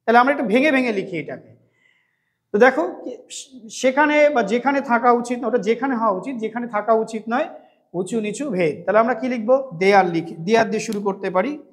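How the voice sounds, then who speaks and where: Male tutor from West Bengal, patient step-by-step lecturer who drags out sentences for dictation. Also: extremely high pitch. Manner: explains step by step, asks and answers his own questions; slows to dictate English sentences word by word. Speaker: English teacher at a coaching centre. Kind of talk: classroom lecture on translation.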